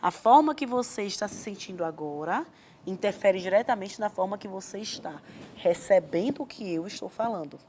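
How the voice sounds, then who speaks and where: Brazilian woman, guest expert, earnest explainer, mid pitch. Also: lively intonation, normal speed, a little mellow, slight background noise. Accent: Brazilian Portuguese. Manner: earnest, acts out parent and child lines. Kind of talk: explanatory interview talk.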